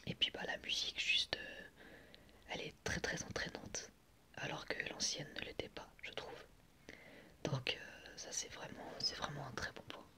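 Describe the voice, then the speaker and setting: Un homme qui anime une vidéo ASMR, au chuchotement doux, avec un phrasé hésitant. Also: male voice, moderate pace. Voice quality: soft unvoiced whisper. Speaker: host of an anime ASMR channel. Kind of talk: whispered ASMR commentary.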